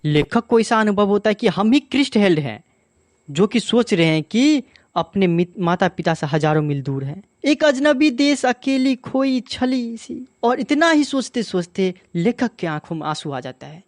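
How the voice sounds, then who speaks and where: Expressive Bihari storyteller man. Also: sits high, normal speed, no echo, clean studio sound. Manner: expressive, repeats phrases for emphasis. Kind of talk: animated bedtime story narration.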